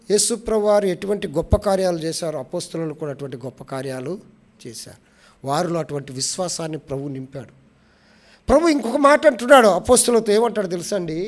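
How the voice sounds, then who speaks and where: A man preaching a sermon with a notably high-pitched voice. He repeats key phrases and puts questions to the congregation. His delivery drops to soft, low lines, then rises loud and forceful. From India. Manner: swings between soft low phrases and loud raised ones. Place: prayer house.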